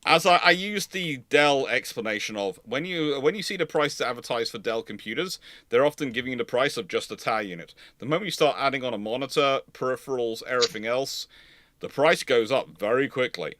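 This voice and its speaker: Male livestream host, bright forceful voice, close dry sound, explanatory and digressive expert commentary. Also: medium pitch, fairly quick, no echo.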